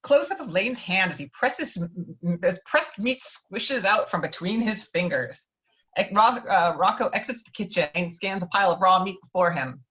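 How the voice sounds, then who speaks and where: A woman's voice: medium pitch, lively intonation, moderate pace, a bit bright. A woman reading out screenplay stage directions at an informal table read, now and then stumbling and correcting herself. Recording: dull lo-fi online call audio.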